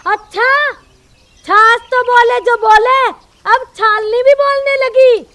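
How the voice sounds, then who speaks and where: Woman as a slow, very high, bossy mother-in-law, taunting, comedy film. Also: fairly even intonation, pushed and bright, full character voice. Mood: scolding. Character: bossy scolding middle-aged mother-in-law.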